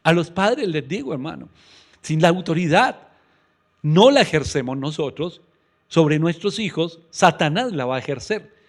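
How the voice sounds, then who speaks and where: Man, middle-aged, Colombian accent, pastor, radio sermon, rhetorical questions, slightly high voice. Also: animated, moderate pace. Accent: Colombian Spanish. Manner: preaching with rhetorical questions and acted-out quotes.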